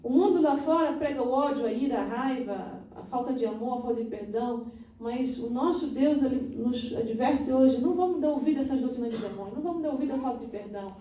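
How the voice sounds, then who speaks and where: A woman pastor delivering a fervent sermon, building into loud prayer, recorded from a distance in a church. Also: a little high, quick pace. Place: church hall. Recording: echoey church from far off.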